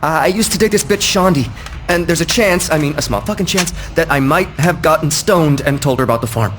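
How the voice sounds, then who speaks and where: An actor playing a brash, nervous young street hood in a video game, slangy and defensive. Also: male voice, fairly high pitch, a little fast, a bit bright, slight background noise, close to an everyday voice. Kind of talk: video game cutscene acting.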